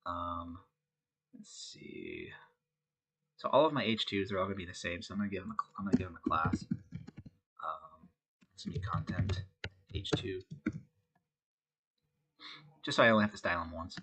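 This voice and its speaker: A man with a congested voice from a head cold, talking through a web coding tutorial in a relaxed way with many fillers. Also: low voice, normal speed, vocal fry, long pauses, breathy edge. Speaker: web design instructor. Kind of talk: screen-recorded coding tutorial.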